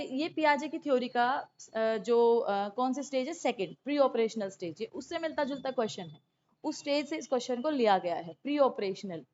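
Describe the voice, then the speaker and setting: A woman teacher speaks in a fairly high voice that is hoarse from a sore throat. She explains exam questions step by step in an instructive manner, dropping in English terms. The recording sounds somewhat dull and lo-fi. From India. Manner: instructive, checks in with "okay", mixes in English terms. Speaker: teacher of exam-prep psychology classes. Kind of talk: explanatory exam lesson, going through questions.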